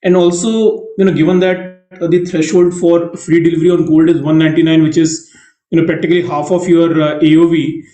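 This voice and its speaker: A man speaking as a financial analyst, politely asking a question on an earnings call in halting phrases. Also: fairly high pitch, flat delivery, warm tone. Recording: echoey roomy call audio.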